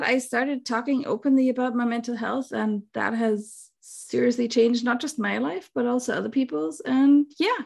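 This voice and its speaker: Woman guest, 40s, chatty and wry, higher voice with vocal fry. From Austria. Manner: chatty, self-deprecating, laughs often. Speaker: podcast guest. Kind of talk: casual chat.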